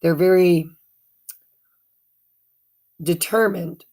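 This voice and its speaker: A woman with a hoarse voice from allergies, giving a casual tarot card reading in a chatty, meandering way with many fillers and self-corrections. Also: fairly low pitch, steady tone, drawn-out words, warm tone. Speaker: tarot reader.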